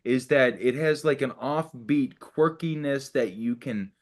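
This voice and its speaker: A young man from the Atlanta suburbs with a slight New England tinge to his speech, excitably chatting and swearing as a podcast co-host. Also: mid-range voice. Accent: slight New England-tinged, not Southern. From Atlanta suburbs, Georgia, USA. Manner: excitable, swearing, quick to laugh, animated storytelling. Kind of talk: casual chat.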